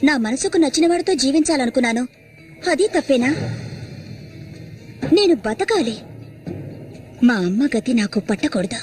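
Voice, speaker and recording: A cold, defiant young widow. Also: female voice, sits high, lively intonation, normal speed, pauses often, darkish tone. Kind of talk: Telugu film drama. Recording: film soundtrack with music.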